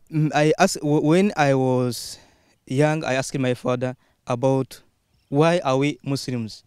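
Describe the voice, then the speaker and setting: A man's voice: mid-range voice, a little mellow, smooth, no room sound, studio quality. A young man outdoors among an audience, earnestly telling a personal story into a handheld mic. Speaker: student in the audience. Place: outdoors among a seated crowd.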